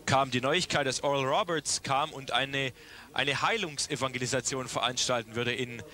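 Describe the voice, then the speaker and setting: A man interprets a sermon line by line, catching each phrase as it comes. His voice is bright and clear at a middle pitch. He often restarts a phrase as he goes. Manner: translating in quick bursts, with restarts.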